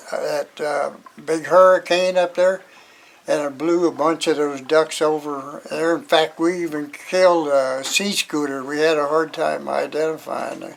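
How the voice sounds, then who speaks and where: A man with a Midwestern American accent speaks at a moderate pace, his pitch fairly high and his intonation fairly even. Noticeable background noise runs under the recording. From Illinois. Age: 80s+. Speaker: duck hunter. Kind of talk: interview answer.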